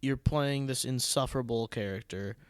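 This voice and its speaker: Casting: male podcast host, mid-pitched, teasing and conversational, recorded dry. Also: moderate pace, smooth, dry recording. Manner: bantering, teasing. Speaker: podcast host, theatre producer. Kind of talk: casual podcast interview.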